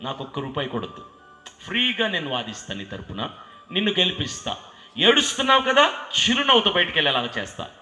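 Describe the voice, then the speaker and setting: A man voicing a kind male lawyer who speaks softly and reassures a criminal. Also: on the high side, big pitch swings, fast, voice pushed up, heavily acted. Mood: reassuring. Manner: soft, reassuring. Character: kind, merciful male lawyer, gentle and patient. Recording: echoey hall with long reverb and faint music.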